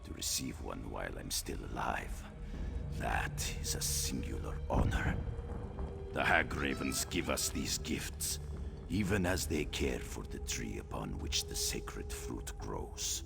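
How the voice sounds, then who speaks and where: An actor playing a proud, menacing tribal warrior in a video game, theatrical and sneering, with a deep gravelly voice. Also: male voice, animated, full character voice. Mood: menacing, reverent. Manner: theatrical, slow, sneering threats. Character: fanatical male Winterborn tribal warrior, menacing, proud, contemptuous. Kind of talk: video game character acting. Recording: music behind the voice.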